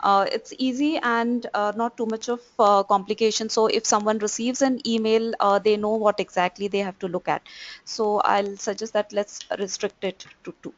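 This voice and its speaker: Woman, webinar moderator, halting phrasing, dry slightly muffled recording. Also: medium pitch, little pitch movement, no echo. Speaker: webinar host. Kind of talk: moderating an audience question session.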